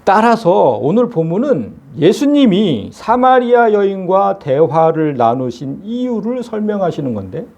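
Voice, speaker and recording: A man's voice: a little high, gravelly, darkish tone, slightly rough. A man preaching a sermon as pastor, emphatic and full of rhetorical questions.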